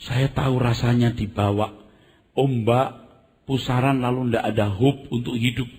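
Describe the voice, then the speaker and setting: A pastor preaches a sermon full of vivid stories, acting out screams and sounds and often speaking straight to the congregation. His mid-range voice moves at normal speed, with a big-room sound.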